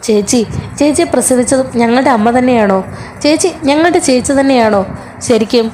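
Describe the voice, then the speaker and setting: A woman's voice: high voice, brisk, a little mellow, a little hiss or hum, pitched above the performer's own voice, close to an everyday voice. A woman voicing a distraught young man who pleads emotionally with his elder sister as she retells a serial episode. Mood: pleading.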